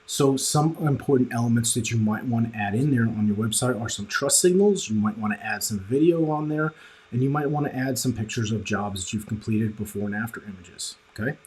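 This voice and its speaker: Guy coaching through a casual business training, explains stuff plainly, medium pitch, keeps checking you follow. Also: fairly quick, noisy background. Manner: explanatory, checks in with "right?" and "okay?". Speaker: marketing coach presenting a training. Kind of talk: informal instructional presentation.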